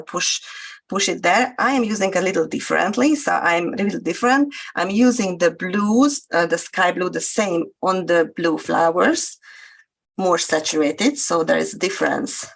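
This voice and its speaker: A woman from Hungary, speaking English with a Hungarian accent, calmly demonstrating a craft technique with frequent hesitations. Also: on the low side, gravelly. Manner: hesitant, many fillers, explains steps slowly. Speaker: guest crafter.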